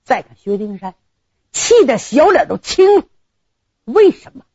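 A woman's voice: sits high, sing-song, moderate pace, warm tone, slightly rough, no echo, dull audio. A woman performing a traditional story, dramatic, with sound words and asides to listeners.

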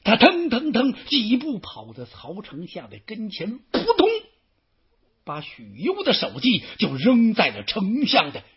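A man performing a traditional storytelling piece with a husky voice, dramatic and animated, swinging between loud and hushed. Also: high-pitched, measured pace. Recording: dull lo-fi recording.

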